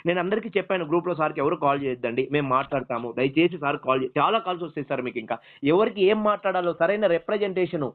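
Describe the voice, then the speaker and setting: A man's voice: fairly high pitch, fast. A young man with a Telangana Telugu accent pleads deferentially and insistently in a rambling phone conversation. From Telangana, India. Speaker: exam aspirant calling a politician. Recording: muffled, narrow-band phone line.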